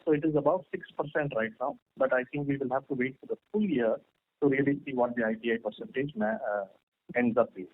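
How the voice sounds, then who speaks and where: A man's voice: mid-range voice, fast, no room sound. A man, a company executive, answering analyst questions on an earnings call, hesitant with many fillers and restarts. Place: conference call over phone. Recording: tinny phone line.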